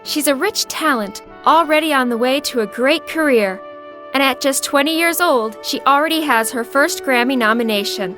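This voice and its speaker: A woman voice-over artist reading scripted narration in a polished, articulate way with deliberate phrasing. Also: high-pitched.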